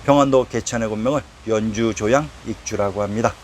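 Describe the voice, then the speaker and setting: A man reading a formal lecture on old place names, reciting quotations from historical texts at a steady, even pace. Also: fairly low pitch, brisk, slight background noise. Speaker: narrator of a history lecture series. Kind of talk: read-aloud historical lecture.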